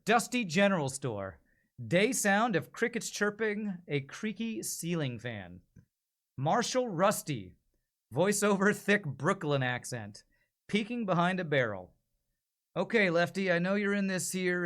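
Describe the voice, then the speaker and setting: A man's voice: a little high, fairly bright tone. A man in his forties chatting casually on a livestream, thinking aloud as he reads and reacts. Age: 40s. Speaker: streamer and amateur voice actor.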